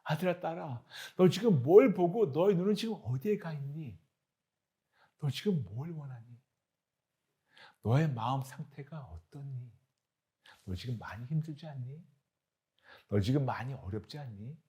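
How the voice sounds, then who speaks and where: A man's voice: mid-range voice, expressive, measured pace, long pauses, natural voice. A man voicing a tender, pleading heavenly father. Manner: tender, pleading, soft-spoken. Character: loving heavenly father calling his hiding child.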